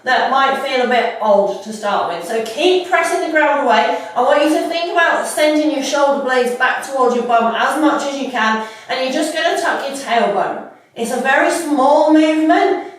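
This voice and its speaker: A woman with a slightly stuffy cold, leading a workout with calm, unhurried cueing. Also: high voice. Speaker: fitness instructor. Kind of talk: guided workout instruction. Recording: echoey room, mic at a distance.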